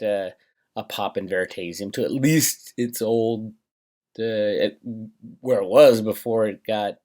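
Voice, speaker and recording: A man with a fairly low voice hosts a financial vlog. He speaks conversationally to his viewers, giving opinionated market commentary. His delivery is studded with emphatic asides and rhetorical questions. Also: darkish tone.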